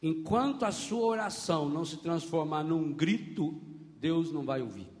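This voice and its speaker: A man with a Brazilian Portuguese accent, preaching a Catholic sermon animatedly and acting out scenes with shouts. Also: on the high side, moderate pace, big-room sound. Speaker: Catholic priest.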